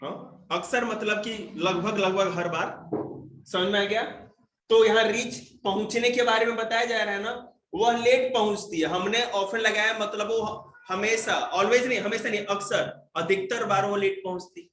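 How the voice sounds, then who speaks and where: A man's voice: high-pitched, fairly even intonation, normal speed, a bit bright. A man with a Hindi accent teaching grammar to a classroom of children, joking and quizzing pupils by name. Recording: echoey room, faint noise.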